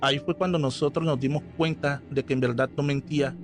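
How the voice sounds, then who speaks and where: A man reading a scripted horror story aloud as narrator, in a slow, measured storytelling manner. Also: a little high, steady tone. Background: faint background music.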